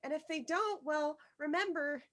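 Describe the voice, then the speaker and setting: A woman acts out a young schoolgirl in a script read. The voice is high and bright. She is meek and polite, hesitating often, yet stays earnest and hopeful. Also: moderate pace. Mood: gentle, reassuring. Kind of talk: virtual table read of a film script.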